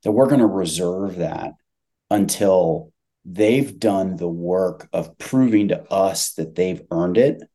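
A man's voice: low voice, slow pace, mellow. A man talking business as a guest in a conversational interview, stressing points by repeating phrases. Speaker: podcast guest, tech company CEO.

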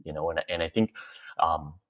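A man's voice: a bass voice, fairly even intonation, moderate pace, muffled recording. A man, a company head, answering interview questions in an earnest, reflective way and explaining at length. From Western Canada. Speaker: guest, company CEO.

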